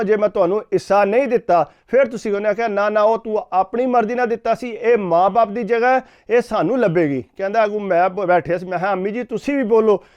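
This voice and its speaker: High, fast-talking man. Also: darkish tone. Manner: rapid retelling, every sentence framed with "he said". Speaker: vlogger retelling a story. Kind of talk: casual storytelling to camera. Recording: dull lo-fi recording.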